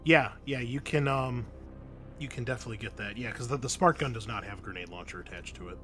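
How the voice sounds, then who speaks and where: Male game master, medium pitch, patient and slightly halting casual explainer, faint music underneath. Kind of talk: casual online tabletop roleplaying game talk. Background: background music.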